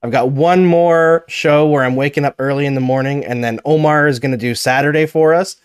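A man's voice: mid-range voice, steady tone, brisk, smooth, dry recording, clean studio sound. A man hosting a casual sports podcast, talking earnestly about the games. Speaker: podcast host.

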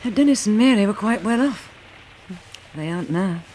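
A woman's voice: medium pitch, animated, normal speed, darkish tone, lightly acted. A woman with a British accent acting a tender, practical young wife and survivor in a 1960s radio drama. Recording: noisy old 1960s radio recording.

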